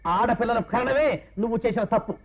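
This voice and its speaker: An actor playing a domineering, greedy old grandfather in a film drama, scolding loudly. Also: very high-pitched, fast, slight background noise. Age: older. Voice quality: scolding, blustering. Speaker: stubborn grandfather. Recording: dull old film soundtrack with music.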